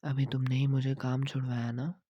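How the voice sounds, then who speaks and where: A man doing a whispered role-play as a boyfriend, talking softly, affectionately and teasingly, dropping English phrases into his speech. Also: mid-range voice, little pitch movement, normal speed, slightly rough, no room sound, muffled recording. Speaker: ASMR creator.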